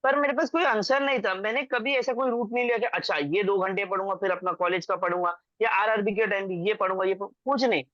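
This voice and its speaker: A man's voice: high-pitched, fast talker, few pauses, sharp tone, no room sound. A young man hosting a casual interview, giving emphatic advice and slipping into English phrases. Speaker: host interviewing an exam topper. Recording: dull lo-fi dry sound.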